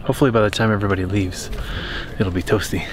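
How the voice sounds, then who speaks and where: A man's voice: fairly low pitch, fast talker, a little hiss or hum. A man, the homeowner, chatting casually on camera at an outdoor building workshop and telling stories in a rambling way. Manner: rambling, animated storytelling.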